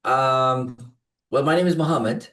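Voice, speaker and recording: Far from the microphone on poor audio, a program client and English teacher who grew up in Saudi Arabia and speaks Arabic natively takes interview questions slowly. His mid-range voice is a bit bright, and he falters with frequent fillers and restarts.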